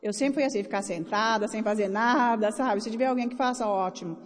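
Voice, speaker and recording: A Brazilian woman preaches a sermon to a conference crowd, bluntly exhorting listeners as she raises offerings. Her voice is a little high and fairly quick, and the recording carries a long hall reverb.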